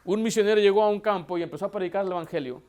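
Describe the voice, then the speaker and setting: A man, a pastor, preaching a sermon with emphatic rhetorical questions that build to loud, impassioned emphasis. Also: high-pitched, rapid-fire, smooth.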